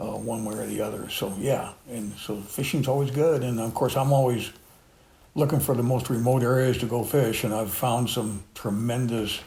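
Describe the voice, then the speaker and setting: A man's dark, mellow, somewhat breathy voice carries fairly even intonation with audible room echo. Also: medium pitch for a man, moderate pace. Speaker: retired fish biologist and conservationist. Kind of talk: casual interview.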